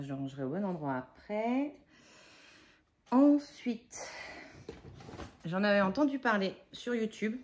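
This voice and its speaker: A woman's voice: low voice, slight background noise. Chatty woman in her forties showing a haul. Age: 40s. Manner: chatty, rambling, self-mocking, many fillers. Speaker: budget haul vlogger. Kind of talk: casual haul vlog.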